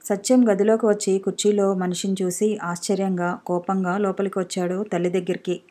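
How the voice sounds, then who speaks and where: A woman narrating an audiobook story in an expressive storytelling manner. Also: medium pitch, fairly quick.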